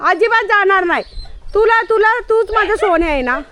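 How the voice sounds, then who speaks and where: A woman's voice: extremely high pitch, animated, normal speed, pushed and bright. A woman vlogging on a farm, chatting to viewers and coaxing her pets with repeated words. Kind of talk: casual vlog narration. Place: farm cowshed outdoors with animals.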